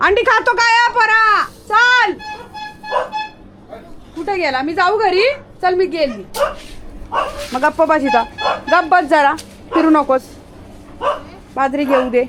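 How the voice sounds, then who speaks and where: Brief: high-pitched woman, chatting to her dog in a sing-song voice, steady noise behind her. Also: slow, pauses often. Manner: coaxing, repetitive, sing-song. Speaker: vlogger talking to her pet dog. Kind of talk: casual coaxing talk to a dog.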